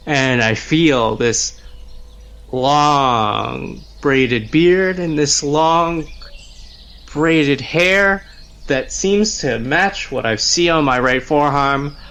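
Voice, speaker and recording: Slow, halting man improvising game narration. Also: medium pitch, fairly bright tone. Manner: halting, bemused. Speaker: player in a tabletop roleplaying podcast. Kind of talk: improvised first-person roleplay narration.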